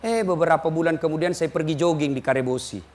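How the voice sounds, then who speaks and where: A man preaching a humorous sermon, telling stories with mimicked voices and lively rising questions. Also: on the high side, quick pace. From Indonesia.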